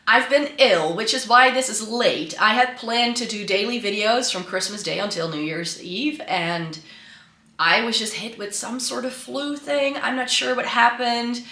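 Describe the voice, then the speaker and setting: A beauty vlogger from the Netherlands chats casually to camera in a home room by a Christmas tree, full of ums and restarts. Flu leaves her fairly high, bright, pushed voice congested and slightly raspy, and she speaks unhurriedly. The camera mic sits some way off, giving a roomy sound.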